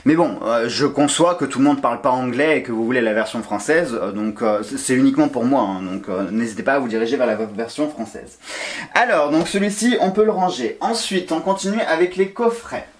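A man's voice: mid-range voice, a little fast. A man vlogging at home while sorting his oracle decks, chatty and enthusiastic, with many fillers and restarts. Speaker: tarot and oracle card YouTuber. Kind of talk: casual vlog talking to viewers. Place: home during a move, sorting boxes.

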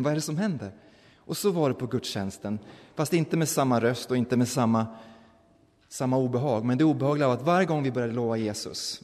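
A man, a pastor, telling a story in a sermon in a relaxed, conversational way, often restarting his sentences. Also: mid-range voice. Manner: conversational, with restarts and quoted voices. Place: church. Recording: church hall with long reverb.

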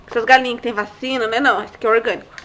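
A woman's voice: fairly high pitch, steady tone, rapid-fire, a bit bright, a little hiss or hum. A young adult woman vlogging in casual chat to camera, chatty and full of asides and tag questions to her viewers.

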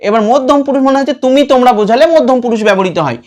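A man teaching a lesson. He patiently recites verb forms over and over in a slow chant and keeps checking that students follow. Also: very high-pitched. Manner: checks in with listeners often. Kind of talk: classroom lesson with recitation drills.

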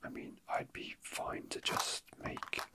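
An ASMR video host, a man, whispers softly and breathily right up against the microphone. His delivery is halting, casual, and unscripted.

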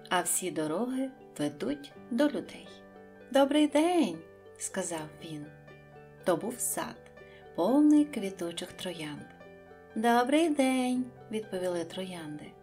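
Woman reading a fairy tale audiobook, expressive and dramatic, soft asides, faint music under. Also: lowish voice. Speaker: audiobook narrator.

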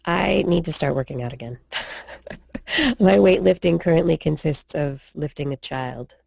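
A woman in her thirties, hoarse from a cold, co-hosts a casual live science chat from a small room at home. Her low voice is full of gravelly fry, and she trails off and restarts her thoughts as she talks. The sound is dry and muffled, like a lo-fi webcast feed. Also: unhurried, no room sound. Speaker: science show co-host. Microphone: desk studio mic, video call. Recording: dull lo-fi webcast audio.

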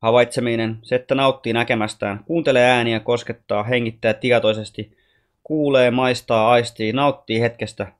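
This is a calm, patient alien boy from the stars, soft-spoken and wise, as a man reads him. He explains things gently, like a teacher in a storybook, in a voice of middling pitch. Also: natural voice. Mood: gently teaching.

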